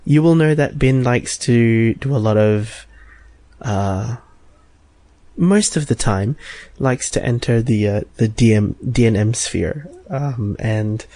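This is a man with a semi-English accent, hosting a conversation. He speaks slowly and hesitantly, weighing his phrasing as he goes. The tone is mellow and relaxed, and the sound is close and dry. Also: medium pitch, dry recording. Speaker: podcast host. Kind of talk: conversational interviewing.

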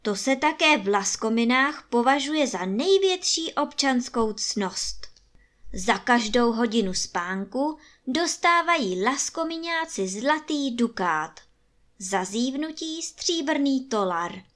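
A woman voicing a boastful adult gentleman in a children's storybook reading, talking emphatically. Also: on the high side, lively intonation. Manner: emphatic, indignant.

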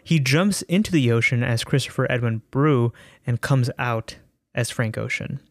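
A man talks through an album review in an earnest, reflective way, now and then stretching a word or restarting a phrase. His voice sits at an ordinary middle pitch. The recording is dry and close, with no room sound. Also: moderate pace, no room sound. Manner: earnest, thoughtful, some restarts and stretched words. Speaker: music reviewer.

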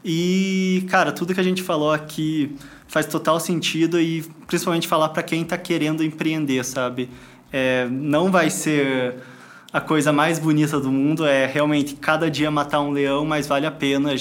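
Man, Brazilian accent, somewhat high pitch, casual interview guest. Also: fairly even intonation, moderate pace. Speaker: guest entrepreneur.

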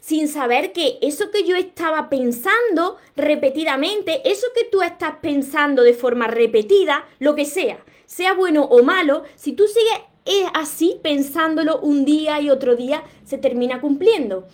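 A woman with a Spain Spanish accent speaks in a high voice, talking directly to her live-stream viewers. She explains her ideas earnestly and patiently, turning to the audience as she goes. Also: lively intonation, normal speed. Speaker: self-help author and live streamer.

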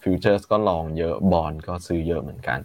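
A man's voice: low voice, brisk, no echo. A man co-hosting a casual market talk show, rattling off stock figures and tickers. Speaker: market analyst co-host.

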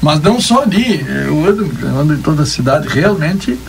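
A man's voice: on the high side, animated, moderate pace, creaky, slight background noise. Chatty middle-aged gaúcho man. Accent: Gaúcho Brazilian Portuguese. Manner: chatty, blunt, colloquial. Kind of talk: casual radio banter.

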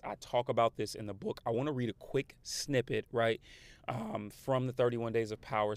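A man with an African American accent hosting a motivational podcast in an animated, slangy manner that shifts between registers. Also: medium pitch, no room sound. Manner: animated, slangy, code-switching. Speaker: podcast host.

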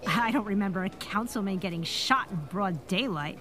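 A woman's voice: medium pitch, moderate pace, a bit bright, lightly acted. An actress playing an anxious, flustered city woman, fretful and hesitant, in a pulp radio drama. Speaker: actor in an audio drama.

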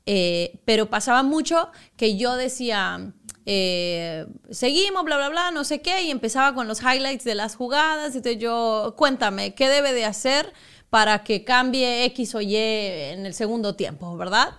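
A young woman, a sports broadcaster, telling stories in a casual interview, animated and acting out the voices she quotes. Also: fairly high pitch, a little slow, clear, resonant tone. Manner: animated, acts out quoted voices, frequent restarts.

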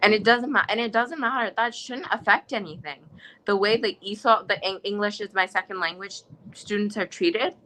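Bright-voiced young American woman, impassioned. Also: medium pitch, moderate pace, low-quality recording. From United States. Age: young adult. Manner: earnest, impassioned, with frequent restarts. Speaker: interviewee, student. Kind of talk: conversational interview.

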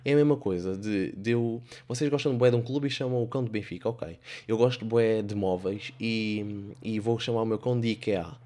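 A young man with a European Portuguese accent rambles through funny stories in a solo podcast. His voice sits on the low side, and his sarcastic asides keep tumbling into one another. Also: a little fast, hardly any pauses, mellow. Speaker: podcast host. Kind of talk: comic storytelling monologue.

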